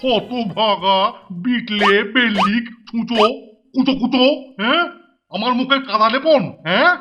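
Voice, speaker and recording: A man's voice: very high-pitched, unhurried, lo-fi sound. A man voicing a fussy, irate middle-aged hostel superintendent in a Bengali cartoon, blustering and repeating himself. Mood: furious. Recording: music behind the voice.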